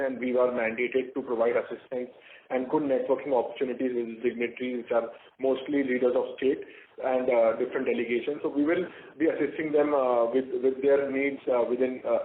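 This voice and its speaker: A man with an Indian accent, a company executive answering questions on a conference call with hesitant, filler-heavy phrasing. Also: medium pitch. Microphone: phone conference call. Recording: echoey, noisy, tinny phone line.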